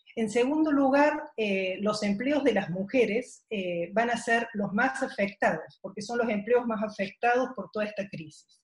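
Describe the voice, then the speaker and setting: Speaking with a Córdoba accent, a woman with a fairly high pitch talks with hardly any pauses. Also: ordinary pitch variation, fairly slow pace. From Argentina, Córdoba. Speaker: gender equality expert, conference speaker. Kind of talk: conference talk.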